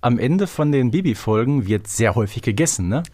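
A man's voice: mid-range voice, expressive, brisk, warm tone. A man co-hosting a podcast in casual quiz banter, playful and checking for agreement as he goes. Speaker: podcast host.

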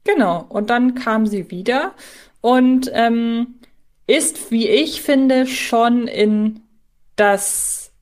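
A woman's voice: fairly high pitch, drawn-out words, a little mellow. A woman co-hosting a podcast, chatting casually and reflectively, thinking aloud as she discusses. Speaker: podcast co-host.

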